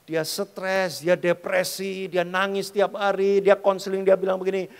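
Male youth pastor, animated and slangy sermon, high voice, big hall reverb. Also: measured pace, creaky, clear, resonant tone. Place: large church hall.

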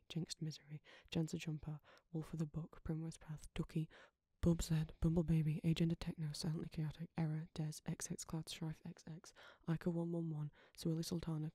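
Hushed, very dry ASMR voice. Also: mid-range voice, husky, dry recording. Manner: hushed, soft, often slipping into whisper. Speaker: ASMR creator. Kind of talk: ASMR, reading a list of patron names.

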